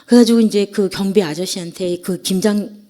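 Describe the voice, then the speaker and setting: A woman's voice: mid-range voice, normal speed, dark tone. A middle-aged woman preacher giving an emotional sermon testimony, dropping to whispers and then rising again. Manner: emotional storytelling, drops to whispers then rises. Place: church sanctuary.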